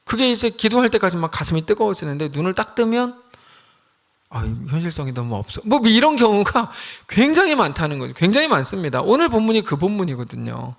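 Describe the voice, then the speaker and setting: A man's voice: sits high, big pitch swings, quick pace, vocal fry, hardly any pauses, fairly bright tone. A male pastor giving a conversational midweek sermon, acting out prayers in quoted voices.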